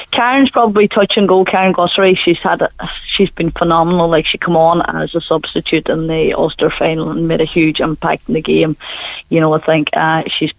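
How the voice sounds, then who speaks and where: A woman's voice: deep voice, dry recording. A woman with a Donegal accent giving colloquial, conversational sports analysis in a radio interview. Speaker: sports pundit. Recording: thin phone line, dry, band-limited.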